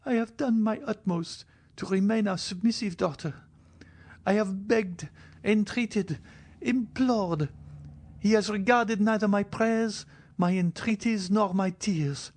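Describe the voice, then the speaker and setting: A man's voice: high voice, slow pace, darkish tone, voice pushed up, exaggerated voice. A man voicing a devoted, anguished young woman who pleads tearfully in an audiobook reading. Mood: impassioned.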